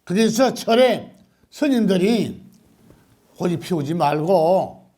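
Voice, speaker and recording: Animated older monk preaching. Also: male voice, high voice, slow pace. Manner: animated, questioning the audience, laughing. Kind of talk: Buddhist dharma talk to a congregation.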